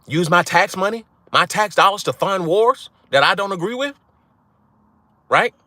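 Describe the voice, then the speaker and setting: Young man, blunt rant-style host, bright edge, dry close mic. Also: sits high, animated, moderate pace, no room sound. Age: young adult. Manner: blunt, profane, repeats "right?" for emphasis. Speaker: channel host. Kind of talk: casual monologue to viewers.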